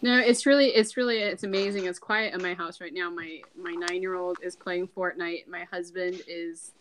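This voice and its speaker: A middle-aged woman in casual podcast chat, informal and excitable, with gushing emphasis. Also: on the low side, moderate pace, slight background noise.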